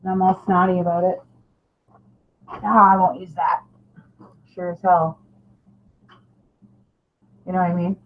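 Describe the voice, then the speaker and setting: A woman's voice: on the low side, flat delivery, unhurried, long pauses. A middle-aged woman chatting casually and ramblingly to viewers as a craft vlogger, informal, self-deprecating and a little salty. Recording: dull lo-fi sound, clear background noise.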